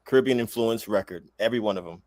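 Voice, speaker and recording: A man's voice: fairly low pitch, fast talker, darkish tone, no echo. A man speaking as a guest musician in casual, colloquial and effusive chat.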